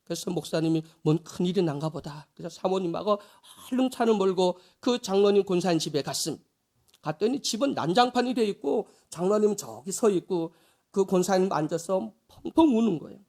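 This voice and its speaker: A male associate pastor leads an early-morning sermon, telling a story in a conversational way. His voice sits fairly high for a man, and his delivery is plain and anecdotal. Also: lively intonation, a little fast, a little mellow.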